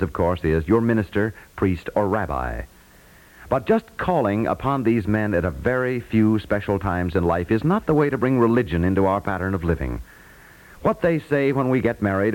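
Animated low-voiced male radio announcer. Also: low-quality recording. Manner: earnest, formal. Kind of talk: scripted 1950s radio public-service announcement. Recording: vintage 1950s radio recording.

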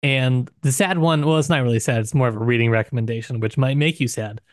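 A man's voice: mid-range voice, fast, no room sound, clean studio sound. A man co-hosting a podcast, talking through books casually and thoughtfully, often qualifying what he says as he goes. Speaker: podcast co-host. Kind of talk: casual book discussion.

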